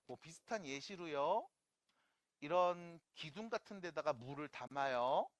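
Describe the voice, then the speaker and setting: Lively math teacher, checking in often. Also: mid-range voice, no room sound. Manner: keeps checking in with rhetorical questions; playful asides to the viewers. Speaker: math lecturer. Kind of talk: online math lecture.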